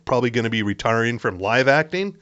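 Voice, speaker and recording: A man's voice: medium pitch, expressive, quick pace, a bit bright, lo-fi sound. A man co-hosting a podcast in casual chat, running through upcoming releases with lots of fillers and easy swearing. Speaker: podcast co-host. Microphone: podcast microphone that keeps cutting out.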